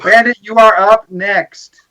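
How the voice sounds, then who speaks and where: A man runs a tabletop game as game master. His voice is bright and a little high for a man, and he narrates the action with dramatic relish. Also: fairly even intonation, slow, low-quality recording.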